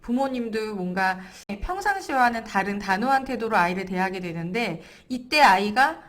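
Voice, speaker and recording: A woman in her thirties, a parenting coach, explaining calmly and gently to camera and sometimes acting out what was said. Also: mid-range voice. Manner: gentle, explanatory, acts out quoted lines. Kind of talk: to-camera parenting lesson with personal anecdote.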